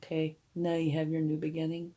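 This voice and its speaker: A woman with a hoarse voice from a cold, giving a tarot card reading in a relaxed, reassuring way and often checking in with the listener. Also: low-pitched, brisk. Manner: reassuring, explains each card to the viewer and checks in with "okay?". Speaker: tarot reader. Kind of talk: tarot card reading, casual spoken explanation.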